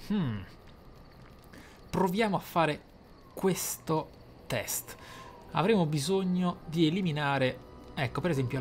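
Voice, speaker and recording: A man giving casual, excitable playthrough commentary, often thinking aloud. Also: on the high side. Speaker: gaming channel host. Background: game music.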